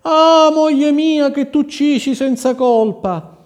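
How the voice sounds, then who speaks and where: Despairing storybook king, very high wailing cries, loud anguish, long hall echo. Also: takes it slowly. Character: grieving middle-aged male king, wailing in despair.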